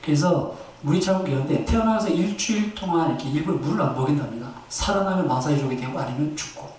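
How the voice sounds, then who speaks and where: A man's voice: on the high side, fast talker, a little mellow, a little hiss or hum. A male pastor delivering a Sunday sermon in a church, telling stories animatedly and exhorting the congregation. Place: church sanctuary. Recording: echoey church hall, distant mic.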